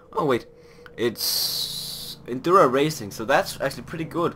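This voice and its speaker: Noticeable noise runs in the background as a man speaks at a moderate speed. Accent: Danish. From Denmark. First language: Danish. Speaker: video game let's play YouTuber. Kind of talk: gameplay commentary. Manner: animated, excitable commentary.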